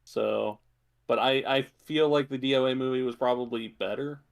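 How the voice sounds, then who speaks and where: Male podcast co-host, creaky mid-pitched voice, laid-back, hesitant, casual conversational delivery. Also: steady tone, normal speed. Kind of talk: casual chat.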